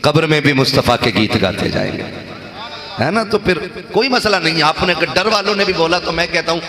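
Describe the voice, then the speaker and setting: A man preaches to a live crowd, teasing them and leading call-and-response slogans. His voice is bright and cutting, and it rings through a big echoey hall over a PA. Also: fairly high pitch, lively intonation, brisk. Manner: banters with the crowd and calls out slogans for them to answer. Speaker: religious speaker. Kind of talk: sermon to a live gathering.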